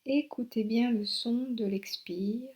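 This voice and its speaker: A woman guiding a yoga relaxation meditation as an instructor, giving soothing, unhurried instructions with long pauses. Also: fairly high pitch. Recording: soft new-age music behind. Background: new-age relaxation music.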